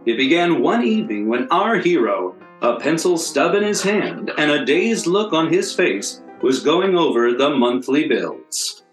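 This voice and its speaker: A man's voice: a little high, sing-song, a little slow. A man announcing and narrating in scripted old-time radio style. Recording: echoey room with music behind.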